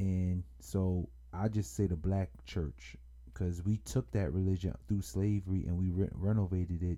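A man speaks with a very deep, low pitch and a dark, mellow tone. His voice is somewhat breathy, with lively intonation. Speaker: podcast host. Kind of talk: casual monologue. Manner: relaxed; halting.

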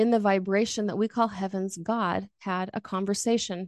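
A woman with a normal speaking voice talks at a medium pitch with fairly even intonation, the sound dry and close with no echo against a quiet background. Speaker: podcast host. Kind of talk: poem reading aloud, performed. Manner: measured, expressive, slow and heartfelt delivery; warm, conversational.

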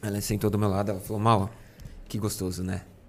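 A man with a fairly low, somewhat breathy voice, fairly even intonation and a fairly quick pace. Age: 30s. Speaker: video editor and cameraman. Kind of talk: casual interview chat.

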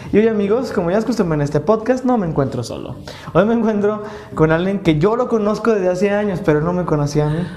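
A man talks at a very fast pace with a high pitch and ordinary pitch variation, with noticeable background noise and audible room echo. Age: 20s. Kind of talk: casual chat.

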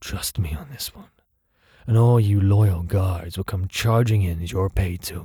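Putting on a character voice, a man speaks at a moderate pace in a gravelly, gruff tone with a very deep, low pitch. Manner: overly confident, threatening, dry.

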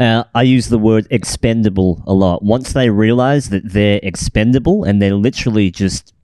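In an Australian accent, the speaker keeps a moderate pace and fairly even intonation in a dark, mellow tone, the sound dry and close with no echo. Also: man. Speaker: podcast host. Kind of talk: casual chat.

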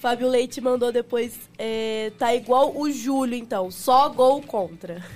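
The woman's voice is high-pitched. She talks at a fairly slow pace. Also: ordinary pitch variation. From Nuporanga, interior of São Paulo state. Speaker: podcast co-host.

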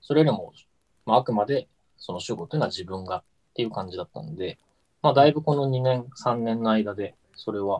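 With an ordinary speaking voice, a man at medium pitch talks at a fairly quick pace with lively intonation, the sound dry and close with no echo. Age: 30s. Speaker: family business executive. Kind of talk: interview. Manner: thoughtful, pausing.

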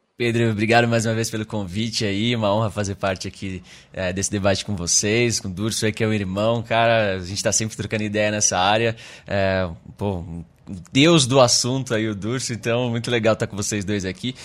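On a very clean recording with a silent background, a man has an ordinary speaking voice at a fairly low pitch. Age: 30s. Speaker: cybersecurity specialist and YouTuber. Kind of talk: casual interview chat.

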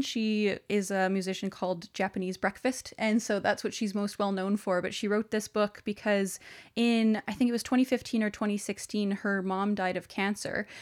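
A woman's ordinary speaking voice at medium pitch, with fairly even intonation, a moderate pace and hardly any pauses, on a very clean recording with a silent background. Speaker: book podcast co-host. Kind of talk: casual chat.

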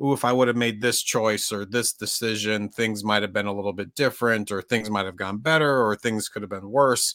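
A man speaks at medium pitch with a bright, sharp tone. The recording is very clean, with a silent background. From Minnesota, US. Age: 40s. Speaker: media business owner. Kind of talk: casual chat. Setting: studio. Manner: talkative.

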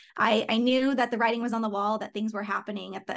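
Against a quiet background, a woman with an American accent speaks in a plain, everyday voice at a fairly high pitch with fairly even intonation. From Southern California. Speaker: podcaster and entrepreneur. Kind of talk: casual interview conversation.

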